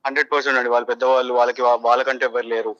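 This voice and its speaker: A man speaks very rapidly in a bright, forceful voice as a news interviewee. The sound is dull, band-limited phone audio. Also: mid-range voice, level tone. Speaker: phone interviewee, supporter at a protest.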